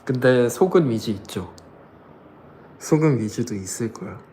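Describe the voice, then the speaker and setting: A man's voice: mid-range voice, lively intonation, a little slow, mellow, a little hiss or hum. A young man casually chatting with fans on a livestream, laughing often and answering comments. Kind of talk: casual live chat reading comments.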